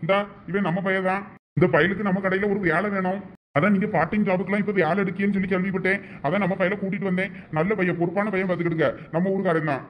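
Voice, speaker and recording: Fast pleading man, Thoothukudi accent. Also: high-pitched, steady tone, a little hiss or hum, low-quality recording. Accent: Thoothukudi Tamil. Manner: pleading, deferential, coaxing. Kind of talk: amateur village drama acting.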